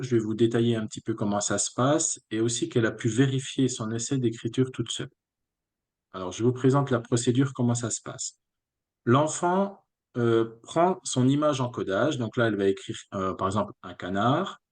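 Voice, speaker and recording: A man's voice: medium pitch, darkish tone. A man presenting a reading and writing method in a webinar, explaining step by step with frequent fillers and restarts.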